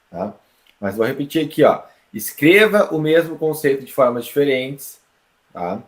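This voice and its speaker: A Brazilian man teaches an online lesson with a voice of middling pitch. His delivery is lively and explanatory, full of quick checks on the listener. The room around him gives a clear echo. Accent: Brazilian Portuguese. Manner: lively, explanatory, with frequent tag questions. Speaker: English teacher.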